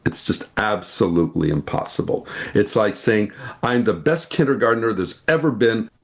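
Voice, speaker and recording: A man from the United States, a guest in an interview, earnestly explaining ideas and slowing down to stress his points. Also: on the low side, animated. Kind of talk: spiritual interview talk.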